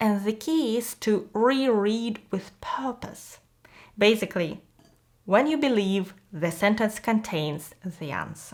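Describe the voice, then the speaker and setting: Her pitch fairly high and her intonation lively, a woman with a Russian accent speaks at a fairly slow pace. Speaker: English exam tutor. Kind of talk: tutorial.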